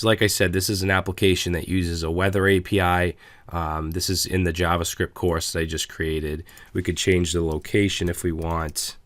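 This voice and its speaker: A man with a slightly raspy voice giving a relaxed, casual coding tutorial while clicking through his editor, with frequent fillers. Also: low voice, dry recording.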